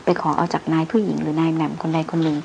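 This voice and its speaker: A woman reading the lines of a seasoned male hunter who speaks in a calm, level-headed and skeptical way. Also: low voice, very fast, gravelly, muffled recording, background noise.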